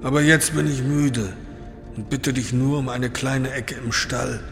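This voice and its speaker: A man's voice: mid-range voice, fairly even intonation, soft background music, voice pushed up, close to an everyday voice. A man voicing a weary old white-haired horse. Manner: weary, soft and slow.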